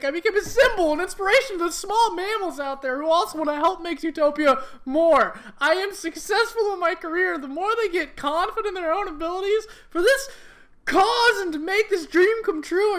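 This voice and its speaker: Woman acting a high-pitched, tearful, melodramatic bunny. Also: a bit bright. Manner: melodramatic, emotional. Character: desperate, tearful young female rabbit, defiant and pleading. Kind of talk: amateur dramatic comic reading.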